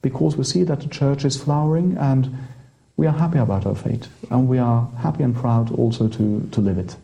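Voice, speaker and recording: Norwegian-accented priest, mellow voice. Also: male voice, mid-range voice, creaky, lo-fi sound. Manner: chatty, halting restarts, light laughter. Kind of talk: interview guest explaining history.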